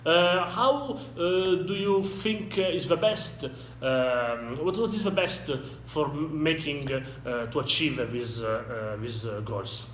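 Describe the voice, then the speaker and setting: A man who is not a native English speaker conducts an interview haltingly, searching for words. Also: a little high, lively intonation, fairly bright tone. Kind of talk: interview questions. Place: echoey indoor room at a conference. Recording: echoey room with background noise.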